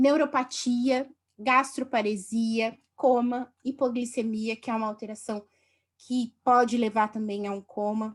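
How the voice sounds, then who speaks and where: A woman talks fairly slowly in an ordinary speaking voice, fairly high in pitch with fairly even intonation. The recording is very clean with a silent background. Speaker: gynecologist teaching exam review. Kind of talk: lecture. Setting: live stream.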